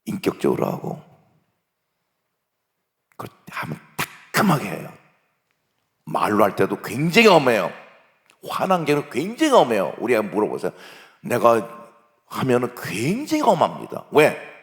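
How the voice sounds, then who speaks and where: A pastor in his sixties preaching a sermon, stressing points loudly and then dropping almost to a whisper. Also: medium pitch, wildly swooping pitch, a little slow, pauses often, long reverb tail. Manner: emphatic, swings from loud declarations to near-whispers. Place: church sanctuary.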